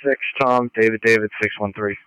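A man's voice: fairly low pitch, fairly even intonation, fairly quick, sharp tone, clear, resonant tone, no echo, low-quality recording. A man, a police officer in the field, replying in terse radio codes over a police radio transmission.

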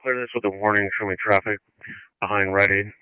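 A man's voice: fairly low pitch, fairly even intonation, brisk, bright, forceful tone, clear, resonant tone, no room sound. A police officer, a man, calling in over a walkie-talkie radio in clipped, matter-of-fact code talk. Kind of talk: terse radio traffic in call codes. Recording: tinny narrow-band radio, dry.

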